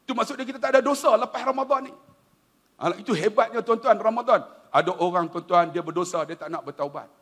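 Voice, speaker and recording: A middle-aged preacher with a Malaysian Malay accent delivers a humorous religious lecture in a high, fast male voice. He tells animated stories and often addresses his listeners directly as tuan-tuan.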